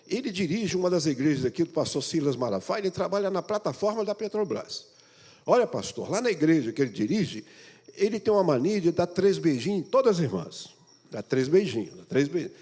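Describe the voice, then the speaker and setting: Male pastor, lively storytelling preacher, mid pitch, ringing hall reverb. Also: fairly quick. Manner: animated storyteller, acts out dialogue. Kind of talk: sermon with storytelling. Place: church hall. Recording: long reverb of a large hall.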